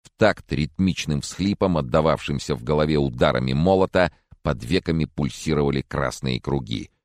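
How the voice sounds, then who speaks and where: Deep bass guy reading an audiobook, calm and measured, dry close mic. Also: dry recording. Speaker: narrator. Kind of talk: audiobook narration.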